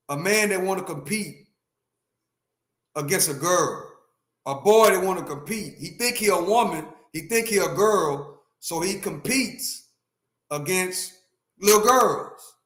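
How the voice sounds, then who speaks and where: A man's voice: high-pitched, measured pace, long pauses, fairly bright tone, roomy sound. A man in his fifties ranting emphatically on a livestream, repeating his points and talking straight to his chat. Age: 50s. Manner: emphatic, repetitive, talks to chat. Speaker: livestream host. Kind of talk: opinionated livestream rant.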